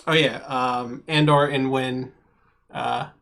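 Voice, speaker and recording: A man's voice: mid-range voice, fairly even intonation, takes it slowly, vocal fry, fairly bright tone. Hesitant man running a tabletop game. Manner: hesitant, filler-heavy narration. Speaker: game master.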